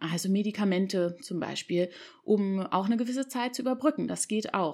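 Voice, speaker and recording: With a normal speaking voice, a woman talks at medium pitch and a moderate pace with lively intonation on a very clean recording with a silent background. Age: 30s. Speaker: doctor. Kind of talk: interview.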